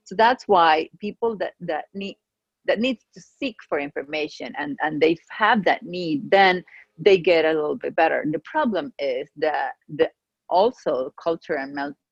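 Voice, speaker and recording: Spanish-native middle-aged woman guest; low, husky voice on lo-fi call audio, animated and restarting often. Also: normal speed, no echo. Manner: animated storytelling with frequent restarts. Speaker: clinical pharmacist guest. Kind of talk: casual conversational interview. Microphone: remote call microphone.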